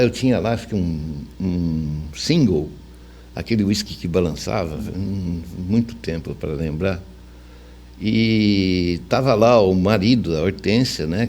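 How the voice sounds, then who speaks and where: As a guest on an interview, a longtime radio journalist, an older Brazilian-accented man, casually shares stories in colloquial speech. He has a low, somewhat dark voice.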